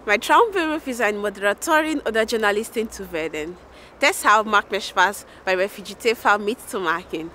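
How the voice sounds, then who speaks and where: A young woman reporter speaking slowly and clearly in a piece to camera, outdoors in a riverside park with a handheld mic. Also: medium pitch, expressive, sharp tone, slight background noise. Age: young adult.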